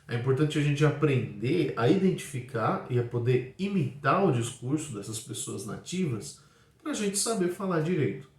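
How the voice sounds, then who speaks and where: A man with a Brazilian Portuguese accent, teaching an English lesson and saying example sentences slowly and clearly. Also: medium pitch, sing-song, darkish tone, recorded from a distance. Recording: echoey room, voice off-mic.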